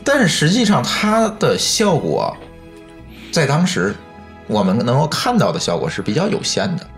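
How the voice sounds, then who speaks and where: Male, Beijing accent, conversational explainer, animated intonation, music underneath. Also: mid-range voice, normal speed. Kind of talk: casual chat, explaining at length. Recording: music bed behind the talk.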